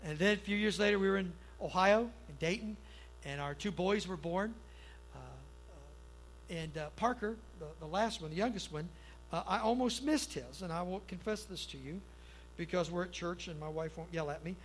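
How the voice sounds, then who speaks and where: Middle aged pastor guy in church, high-ish voice, chatty storytelling sermon into a prayer. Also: normal speed, a little hiss or hum, low-quality recording. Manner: storytelling, folksy, asks the crowd for agreement.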